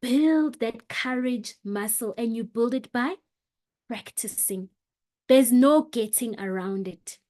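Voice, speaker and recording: A woman coaching an online workshop on public speaking, talking with expressive shifts in volume and pace for emphasis. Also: on the high side, slow pace. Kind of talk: motivational online workshop talk.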